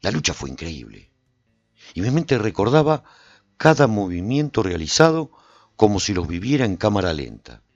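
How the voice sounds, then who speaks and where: A man playing a proud lone warrior who recounts his adventures in a theatrical, expressive first-person radio drama style. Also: lowish voice, moderate pace, dry recording, lo-fi sound. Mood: reflective. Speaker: narrator and lead actor of a radio serial.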